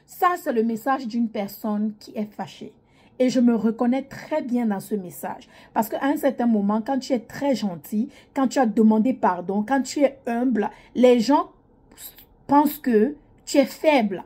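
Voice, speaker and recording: A woman's voice: fairly high pitch, measured pace, mellow. A young adult woman doing casual commentary, talking emphatically as she reacts to someone's posts. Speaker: online commentator.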